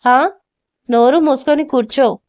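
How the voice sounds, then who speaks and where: Commanding elder brother, voiced by a woman, firm and scolding, Hindi-laced, a bit high. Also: fairly even intonation, unhurried, darkish tone. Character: protective older brother, steady and commanding.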